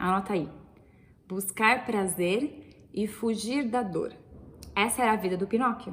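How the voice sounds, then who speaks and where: A woman with a fairly high, somewhat breathy voice speaks at a fairly slow pace with ordinary pitch variation and long, frequent pauses. Audible room echo surrounds her voice. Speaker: online teacher. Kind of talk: online lecture.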